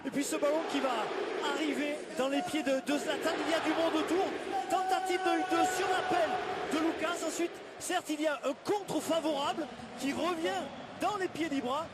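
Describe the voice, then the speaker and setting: Very high-pitched, excited male football pundit. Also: normal speed, a loud crowd. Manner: animated, emphatic, repeats words for emphasis. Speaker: football co-commentator and analyst. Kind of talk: excited sports commentary, replay analysis. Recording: loud stadium noise behind the voice. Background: loud stadium ambience.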